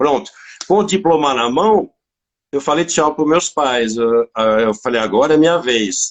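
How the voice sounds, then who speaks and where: A man with a São Paulo accent talks at a fairly slow pace in a fairly high pitch. His intonation is lively while his loudness stays very even. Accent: Sao Paulo Portuguese. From France. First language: French (speaking Portuguese). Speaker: tourism professional. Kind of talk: interview. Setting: live stream.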